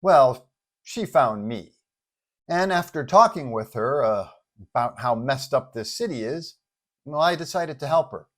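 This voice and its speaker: Female police chief, read by a man: pragmatic, forceful, persuasive girlfriend in a superhero tale, slightly raised pitch. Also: animated, unhurried. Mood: calm. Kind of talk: superhero story character voice.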